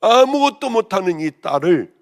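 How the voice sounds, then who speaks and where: A woman pastor with a hoarse voice, preaching a sermon with passion, rising to loud exclamations and then dropping to hushed, almost whispered lines. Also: mid-range voice, sing-song, normal speed. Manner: impassioned, swinging between raised exclamations and hushed near-whispers.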